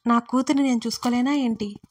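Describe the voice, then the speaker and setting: A woman's voice: fairly high pitch, steady tone, fast talker, a little mellow, dry recording, studio quality, recorded from a distance, lightly acted. A woman voicing an anxious, tearful middle-aged mother who speaks hesitantly and apologetically in an audiobook drama. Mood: apologetic. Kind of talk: audiobook role reading.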